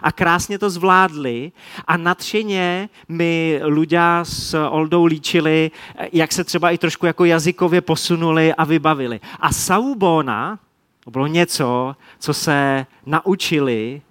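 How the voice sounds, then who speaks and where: A man preaching a sermon, retelling Bible stories and acting out the quoted dialogue with lively energy. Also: on the high side, no room sound.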